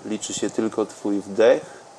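A man speaking in a calm, unhurried, soothing way with long pauses, as a podcast host and meditation guide. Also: fairly low pitch, a little hiss or hum, rough recording.

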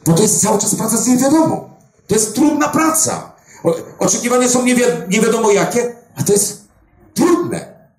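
Older man, storyteller, high voice, lively swooping pitch, echoey hall, live audience. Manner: emphatic, animated retelling with dramatic pauses. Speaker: clairvoyant body finder. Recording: roomy echo.

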